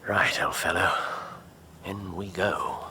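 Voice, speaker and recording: An actor playing a sharp, intense Victorian detective who gives clipped, urgent commands. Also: male voice, sits low, slow, full character voice. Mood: instructing. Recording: noisy background hiss.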